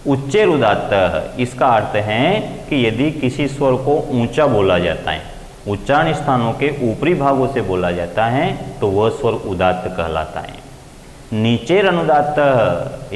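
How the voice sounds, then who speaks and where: Man teaching in an echoey room. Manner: explains step by step, raising pitch to stress key terms. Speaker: Sanskrit grammar teacher. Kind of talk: classroom lecture. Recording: echoey room with long reverb, faint ambient noise.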